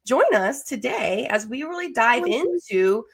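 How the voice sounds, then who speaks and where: A woman's voice: fairly high pitch, sing-song, measured pace, vocal fry, breathy edge. A woman in her thirties with an American accent, chatty and enthusiastic as she hosts a conversational interview podcast. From Las Vegas, United States. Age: 30s. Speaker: podcast host.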